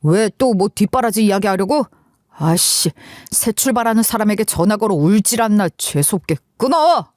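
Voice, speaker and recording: A cold, arrogant young man, put on by a woman narrator in a dramatized radio story. He drawls his words with sneering contempt, his voice sitting at an ordinary middle pitch. The recording is dry and close. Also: expressive, normal speed, a little mellow, no room sound, natural voice.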